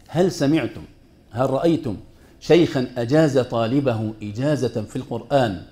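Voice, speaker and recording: Male, Quran recitation teacher, rapid delivery, warm dark tone, emphatic classroom lecture. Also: medium pitch. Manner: emphatic, with rhetorical questions to students; mixes formal Arabic with colloquial asides.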